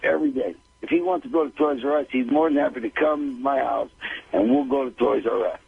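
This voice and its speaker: Very raspy, gravelly man on a call-in. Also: medium pitch, fast. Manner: emphatic, repetitive, profane. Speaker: call-in guest and manager. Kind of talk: casual argumentative chat. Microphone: call-in line. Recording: dull, dry radio call-in audio.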